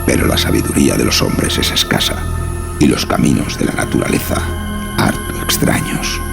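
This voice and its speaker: A man narrating a horror story from a script in a solemn, deliberate, dramatic way. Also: very deep voice, vocal fry.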